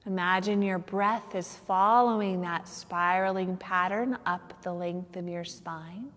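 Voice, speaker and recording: A woman guiding a meditation as a yoga nidra teacher, soothing and unhurried, with long pauses between phrases. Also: on the low side, steady tone, a bit bright. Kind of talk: guided meditation. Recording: long reverberant hall-like echo.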